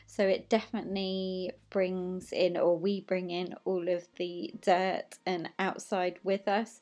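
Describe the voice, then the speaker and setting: A woman's voice: fairly low pitch, darkish tone. A young adult woman from the UK, chattily narrating a cleaning vlog voice-over for her viewers. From United Kingdom. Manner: chatty, friendly explaining to viewers. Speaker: cleaning vlogger.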